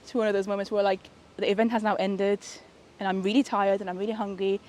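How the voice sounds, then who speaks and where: A young woman vlogging late at night, sounding tired and a little worn. She talks in a chatty, easygoing way to a handheld camera, with soft laughs here and there. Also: medium pitch, little pitch movement, fast talker, a little hiss or hum. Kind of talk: casual vlog narration. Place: outdoors at night by a hotel and fountains, then a hotel room.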